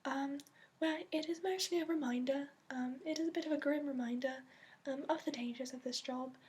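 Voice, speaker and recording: A woman playing a gentle instructor of dragon companions in a soft-spoken ASMR roleplay with a put-on accent, often near a whisper, explaining hesitantly with many ums. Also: sits high, steady tone, a little fast, natural voice. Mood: patient, earnest. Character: gentle female instructor briefing new dragon companion recruit.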